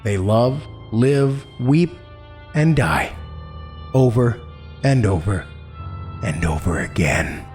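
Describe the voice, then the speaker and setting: A man's voice: lowish voice, animated, slow pace, pauses often, darkish tone. A man hosting a horror podcast, reading a scripted introduction in a theatrical, dramatic way. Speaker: podcast host and announcer. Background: music.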